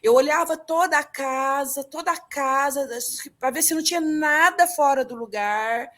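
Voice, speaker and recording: A woman's voice: high-pitched, normal speed, a bit bright. A middle-aged Brazilian woman giving an earnest, emotional personal testimony in an interview. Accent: Brazilian Portuguese. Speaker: guest telling her story.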